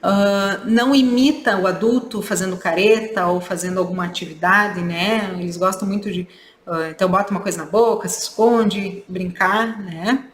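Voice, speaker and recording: A woman clinician delivers a training lecture in a roomy, echoing space with a faint ambient hum behind her. She explains step by step and keeps checking in with her listeners through short tag questions. Her pitch sits at a mid level for a woman. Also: moderate pace. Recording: echoey room with faint ambience.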